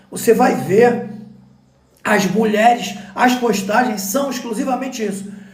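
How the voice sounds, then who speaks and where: Against noticeable background noise and audible room echo, a man with a high pitch speaks at a fairly slow pace in monotone, flat intonation. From Rio de Janeiro, Brazil. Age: 60s. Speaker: lawyer and online commentator. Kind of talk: casual live-stream monologue. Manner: conversational, informal.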